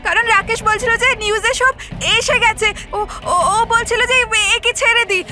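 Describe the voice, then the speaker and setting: An actress playing a frightened young kidnap victim in a TV crime drama, pleading and stammering in panic. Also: female voice, very high voice, fairly even intonation, normal speed. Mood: shaken, breathless. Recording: loud music over the dialogue.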